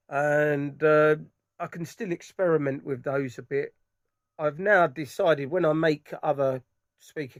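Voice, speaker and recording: A middle-aged man talks casually about his speakers, circling back and restarting as he goes. His voice sits a little higher than most men's. The recording is dry and close, with no room sound. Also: no room sound. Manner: rambling, enthusiastic, many restarts. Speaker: audio hobbyist vlogger. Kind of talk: casual product impressions. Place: dark room at home.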